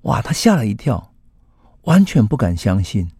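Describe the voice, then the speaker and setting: A man, hosting a historical storytelling podcast in an unhurried, reflective way. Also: on the low side, very animated, warm tone, husky, no echo, clean studio sound. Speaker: host and storyteller.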